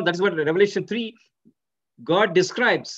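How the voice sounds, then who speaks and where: A man's high-pitched voice at a moderate pace, with ordinary pitch variation over a quiet background. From India. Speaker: church elder, preacher; preacher. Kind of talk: sermon. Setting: video call. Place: home room. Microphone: video call.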